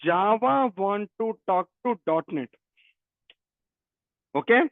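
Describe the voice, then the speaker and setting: A man's voice: high-pitched, lively intonation, takes it slowly, no echo. A man from Telangana, a native Telugu speaker with a Telugu Indian English accent, teaching programming interactively and repeating his phrases and questions. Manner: repeats phrases and questions, often addressing students. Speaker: programming instructor. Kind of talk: interactive online technical lecture. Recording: narrow phone-like line.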